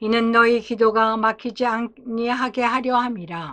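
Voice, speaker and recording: A woman speaks at a very slow pace with monotone, flat intonation. The background is quiet. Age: 70s. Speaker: grandmother reading scripture. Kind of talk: Bible reading.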